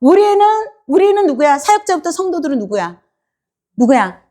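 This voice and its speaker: A woman's voice: high voice, big pitch swings, a little fast, mellow. A woman preacher giving a sermon in a church, quizzing her congregation and acting out the people she talks about. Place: church sanctuary.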